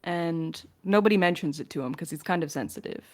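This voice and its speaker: A woman's voice: lowish voice, a little fast. A woman in a casual podcast Q&A, talking playfully as one of the crew fielding questions.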